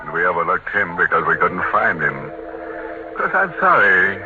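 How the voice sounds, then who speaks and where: A man hosting a 1940s radio mystery show, closing with slow, mock-sinister punning humor. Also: low-pitched, big pitch swings. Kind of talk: tongue-in-cheek macabre sign-off. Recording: muffled 1940s radio broadcast with music.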